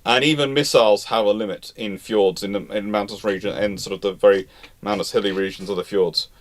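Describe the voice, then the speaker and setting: A man's voice: fairly low pitch, fairly even intonation, fast. A man hosting a live question-and-answer talk on history, speaking in an explanatory way. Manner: explanatory, reads questions aloud then answers.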